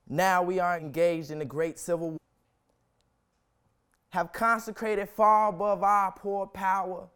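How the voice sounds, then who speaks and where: High-voiced young man, slow solemn oratory. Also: fairly bright tone, clear, resonant tone. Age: young adult. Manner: deliberate, emphatic phrasing with long pauses. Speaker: student speaker reciting a historic speech. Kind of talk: solemn dramatic public oratory.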